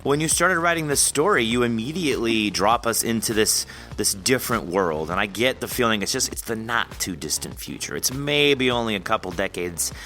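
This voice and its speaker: Male podcast host, low pitch, crisp bright delivery, rambling friendly chat. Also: expressive, normal speed, hardly any pauses, soft background music. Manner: friendly, rambling, laughs often. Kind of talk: casual interview chat.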